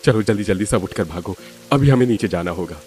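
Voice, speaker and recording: A man voicing an agreeable, thrifty middle-aged father-in-law in an animated story. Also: fairly low pitch, fast, soft background music, lightly acted. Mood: plain.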